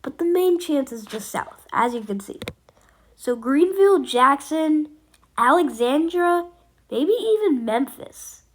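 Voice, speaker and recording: A woman's voice: high voice, lively intonation, takes it slowly. A woman giving a casual storm update as an amateur weather forecaster, rambling and hesitant with many fillers, while she has a cold.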